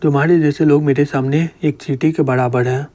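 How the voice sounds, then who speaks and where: A powerful young hero who brushes off his enemies with calm disdain, read by a man narrating a comic. The voice is mellow and slightly high. The reading is plain, in a storybook way. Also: brisk, close to an everyday voice. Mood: dismissive.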